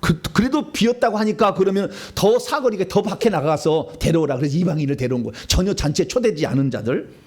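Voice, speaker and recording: Male pastor, high voice with a lively, wide-ranging pitch, preaching animatedly and quizzing his listeners. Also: fast, breathy edge. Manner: animated, swings from low asides to loud shouted lines; asks the congregation questions. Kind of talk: Bible-study sermon.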